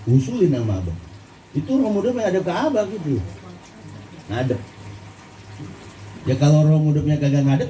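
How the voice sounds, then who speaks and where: Man preaching a lively sermon with a lilt. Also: a little hiss or hum. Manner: lively, asks the audience questions, swings between low and high pitch. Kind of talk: Sufi religious sermon. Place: gathering in a hall. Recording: echoey room, voice from far off.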